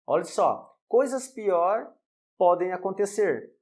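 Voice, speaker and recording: A man teaching an online English lesson, repeating example sentences slowly and checking in with "alright?". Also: sits high, sing-song, darkish tone.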